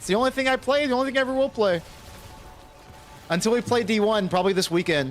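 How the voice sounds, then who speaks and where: A man speaks very rapidly while music plays behind him. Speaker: video game streamer. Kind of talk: casual chat.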